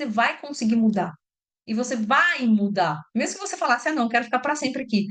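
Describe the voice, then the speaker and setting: Speaking at a fairly quick pace, a woman uses a high voice with very wide pitch swings. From São Paulo, Brazil. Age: 40s. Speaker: career mentor and influencer. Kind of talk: podcast interview.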